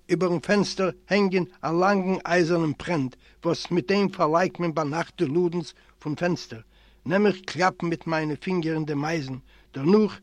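Male audiobook reader, native Yiddish speaker. Expressive literary reading in a slightly high register, recorded dry. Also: no echo. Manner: expressive, voices characters with raised pitch. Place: library recording room.

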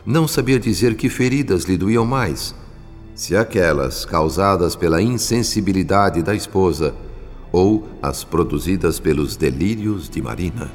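An actor as the solemn storyteller of a radio drama, grave and literary, with a Brazilian accent. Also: male voice, low-pitched, lively intonation, measured pace, soft background music. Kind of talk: scripted radio drama narration. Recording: long cavernous reverb.

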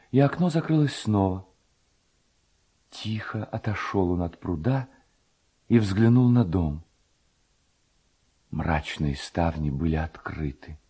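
A man narrates a literary tale in a deep, dark voice. His delivery is very unhurried and lyrical, with a hushed, dramatic sense of storytelling. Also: husky.

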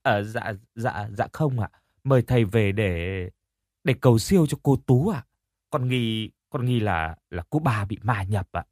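A male narrator doing a frightened servant woman, stammering and hushed as she pleads with her mistress. Soft and submissive, her voice sits lower and quieter than the narration, recorded dry. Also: expressive, measured pace, no echo. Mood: fearful pleading. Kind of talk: audiobook narration.

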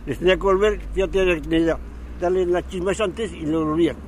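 Very high-pitched, fast-talking man in his nineties. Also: steady tone, darkish tone, a little hiss or hum. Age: 90s. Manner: blunt, earthy, swearing. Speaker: retired worker being interviewed. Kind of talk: casual street interview.

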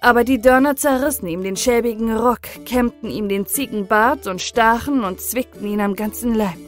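A woman reads a fairy tale aloud in a lively, expressive way. Her voice sits somewhat high, and a soft bed of music plays faintly behind her. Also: normal speed. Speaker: audiobook narrator. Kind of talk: storytelling reading of a fairy tale.

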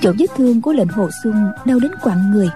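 A woman reading a martial-arts storybook aloud in a steady, even-paced narration. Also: fairly high pitch, quick pace, over loud music, rough recording. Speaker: audiobook narrator.

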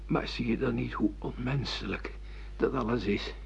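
A man's voice: mid-range voice, moderate pace, creaky, slight background noise. An actor playing a bitter, defiant judge who has lost his memory, argumentative and sardonic, in a Dutch radio play. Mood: resigned, firm. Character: bitter amnesiac judge, defiant man refusing his past. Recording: dull lo-fi radio play recording.

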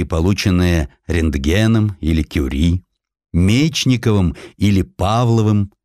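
Low, expressive male narrator, very dry sound. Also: dry recording. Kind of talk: dramatic scripted narration of historical essay.

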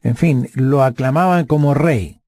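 Warm-voiced man reading and explaining scripture. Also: mid-range voice, unhurried, no room sound. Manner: reads scripture passages aloud and explains them. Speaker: Bible study guest teacher. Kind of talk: conversational Bible lesson discussion.

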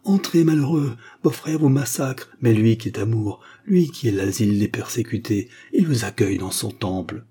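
A man's voice: medium pitch, lively intonation, normal speed, hardly any pauses, warm tone, husky. A man reading aloud, voicing an old white-haired village priest who commands an angry crowd in a raised, preaching voice. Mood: urgent.

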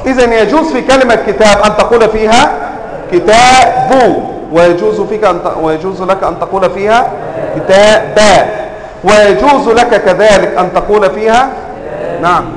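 A high-pitched man lectures on grammar to a room of students. He keeps firing questions at the class and stretches out each example word for emphasis. The room is roomy and echoing, with a faint hum of ambience behind him. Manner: quizzes the class with frequent questions; drawls example words slowly and emphatically. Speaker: teacher of Arabic grammar.

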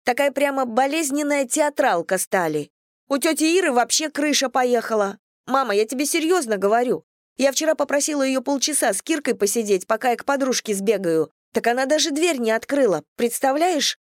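A woman's voice: high voice, expressive, no echo, studio quality, voice pushed up. A woman voicing a blunt teenage schoolgirl who complains to her mother in an audiobook. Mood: indignant. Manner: fast indignant grumbling.

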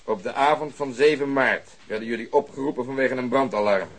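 An actor playing a gruff, exacting, short-tempered police detective in a radio crime drama, blunt and commanding. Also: male voice, mid-range voice, fairly quick, close to an everyday voice. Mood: angry, commanding.

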